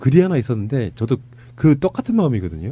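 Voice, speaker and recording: A man's somewhat breathy voice, dark and mellow in tone, with very wide pitch swings. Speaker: podcast host and producer. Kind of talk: casual panel chat. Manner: fast, sometimes stumbling.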